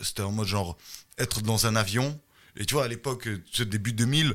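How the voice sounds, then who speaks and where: A man with a fairly low voice talks at a moderate pace with ordinary pitch variation. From Russia. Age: 30s. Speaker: comedian and YouTuber. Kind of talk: casual chat.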